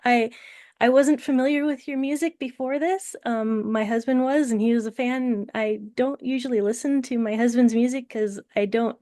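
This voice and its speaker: A woman's voice: a little high, fairly even intonation, normal speed, warm tone, no room sound, studio quality. A woman interviewer chatting casually, a little hesitant and giggly as she talks.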